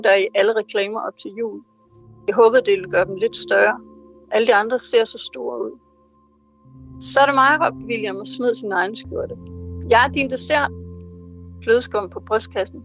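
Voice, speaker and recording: A woman's voice: fairly high pitch, muffled recording. A woman author in an interview who answers hesitantly with many fillers and reads aloud from her novel. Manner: hesitant with many fillers when speaking freely.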